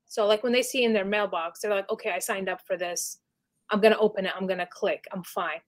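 A woman's voice: mid-range voice, fairly even intonation, brisk. A woman speaking as a guest expert in an interview, explaining in a casual, chatty way with lots of "you know" and "like". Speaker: email marketing specialist, guest.

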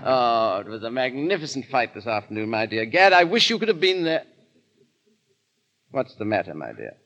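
A silly fop of a lord, drawling and stammering, his voice leaping up and down in a lively sing-song. It sounds like a dull, lo-fi old radio broadcast of a 1930s play. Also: medium pitch, normal speed. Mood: dry, teasing. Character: foppish, dithering English aristocrat husband. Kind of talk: 1930s radio drama acting.

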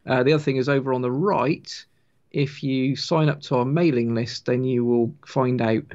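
A man with a gentle West Country accent from Wiltshire, explaining technical things informally as a guest author on a livestream. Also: mid-range voice, fairly even intonation, moderate pace, muffled recording. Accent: Wiltshire, English West Country. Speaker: guest author of a railway engineering book.

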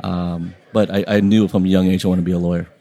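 A man's voice: low voice, level tone, fast talker, mellow. A man whose first language is Vietnamese, speaking as an interview guest in a reflective, conversational and somewhat hesitant way.

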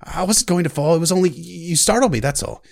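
A man's voice: on the high side, expressive, a little fast, creaky, a little mellow, pitched above the performer's own voice. A man voicing a frightened but polite young noble girl who speaks in a strained, pleading way.

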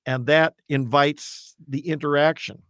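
A man who is a campus evangelist, talking as a radio interview guest in a loud, earnest, emphatic preacher's voice, often restarting his sentences. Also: fairly high pitch, fairly even intonation, a little slow, smooth, no echo, clean studio sound.

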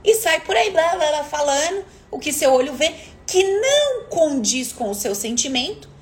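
Animated high-voiced woman coach. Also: normal speed. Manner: emphatic, questions the audience directly. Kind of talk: motivational live stream talk.

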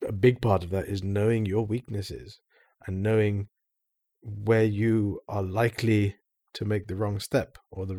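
A man's voice: fairly low pitch, darkish tone. A man in a casual discussion, explaining his ideas with enthusiasm.

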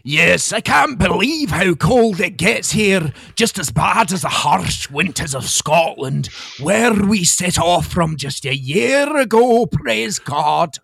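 A man puts on an eager, humble Scottish pilgrim for an amateur comedy play. The voice is high and gravelly, exclaiming theatrically, in a very dry recording. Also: lively intonation, slow pace, hardly any pauses, fairly bright tone, no echo, exaggerated voice. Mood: loud, marvelling. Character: humble, excitable male Scottish settler in colonial America.

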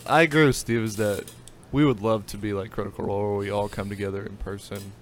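A man chatting as a podcast guest over a video call, with a monotone delivery. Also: fairly low pitch, fast talker, slight background noise. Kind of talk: casual chat.

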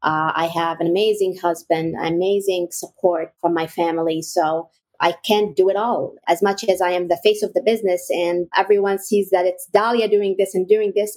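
A young adult woman from Egypt, a real estate broker talking casually as an interview guest, warm and quick to laugh. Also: fairly low pitch, steady tone, low-quality recording.

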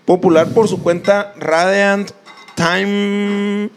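Mexican dude, kinda high creaky voice, slangy casual funny talk, swears a lot. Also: male voice, fairly even intonation, drawn-out words, soft background music. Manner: slangy, swearing, repeats himself. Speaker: podcast co-host. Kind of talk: casual comedic chat.

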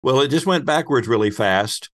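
Man, game master, medium pitch, improvised storytelling, conversational, halting delivery. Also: animated, a bit bright.

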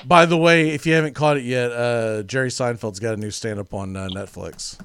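A man hosting a casual sports talk show, animated and jokey, laughing often as he talks. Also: mid-range voice, normal speed, clean tone, dry recording, clean studio sound.

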